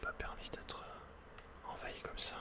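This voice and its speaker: Whispering man, ASMR game commentary. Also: a little slow. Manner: casual, slangy muttering with mild swearing. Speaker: ASMR gaming streamer.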